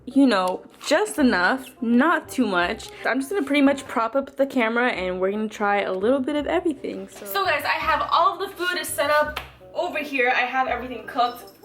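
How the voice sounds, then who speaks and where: A woman's voice: high-pitched, animated, a little fast, a bit bright. An American woman casually reviewing food for a vlog, chatting informally with plenty of slang. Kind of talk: casual chat while tasting food on camera. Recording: roomy, off-mic, music behind.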